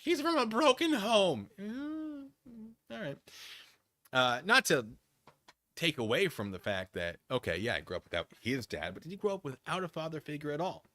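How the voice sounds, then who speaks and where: A man's voice: a little high, very animated, moderate pace, sharp tone, dry recording. A man streaming off-the-cuff commentary as he reads a document aloud, dropping mocking, theatrical asides. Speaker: commentary streamer, channel host.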